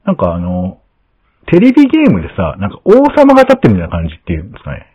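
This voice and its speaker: Animated storytelling man, husky lo-fi voice. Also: low-pitched, very fast. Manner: animated storytelling, acts out quoted lines. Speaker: podcast host. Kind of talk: casual chat. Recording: dull lo-fi sound.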